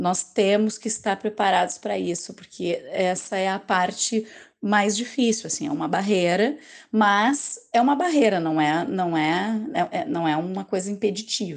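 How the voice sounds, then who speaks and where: Over a quiet background, a woman with an unremarkable speaking voice speaks at medium pitch and a fairly slow pace, her intonation lively. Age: 40s. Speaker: entrepreneur, speech therapist by training. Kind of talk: recorded testimony.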